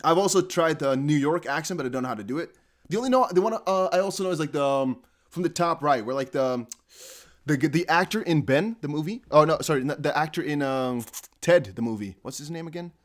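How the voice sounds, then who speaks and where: A man's voice: on the high side, animated, brisk. Rambling young man from the Netherlands. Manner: rambling, laughs often, many fillers. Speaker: crypto livestream host. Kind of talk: casual live stream chat.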